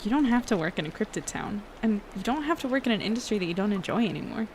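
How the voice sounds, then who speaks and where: A woman playing an earnest, hesitant young woman who is a gentle, loyal friend in an audio drama. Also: medium pitch, animated, quick pace, slight background noise, close to an everyday voice. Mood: gentle, encouraging.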